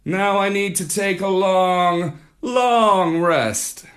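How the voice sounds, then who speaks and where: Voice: mid-range voice, drawn-out words, a bit bright, voice pushed up. A storyteller voicing a cheerful, boastful male space adventurer in a children's story. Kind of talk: storybook read-aloud.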